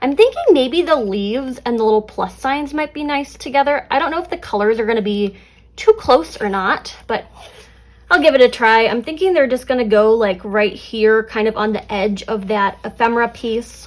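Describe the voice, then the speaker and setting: Here a woman with an American accent speaks at a fairly high pitch. Her intonation is lively. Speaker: planner YouTuber, sticker shop owner. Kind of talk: tutorial voiceover. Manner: fast; casual, filler-heavy.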